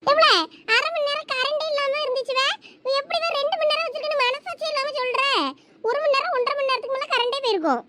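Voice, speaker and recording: Lady voicing a cranky college girl in a cartoon, rattles off fast, high and bright. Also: a little hiss or hum. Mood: irritated. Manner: scolding, irritated, fast and threatening. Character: young college girl, short-tempered and sharp-tongued. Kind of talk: animated comedy voice acting.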